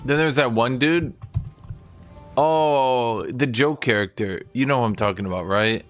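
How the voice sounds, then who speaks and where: A man's voice: medium pitch, measured pace, soft background music. A man streaming a game, chatting casually and rambling to his viewers. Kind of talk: casual chat while gaming.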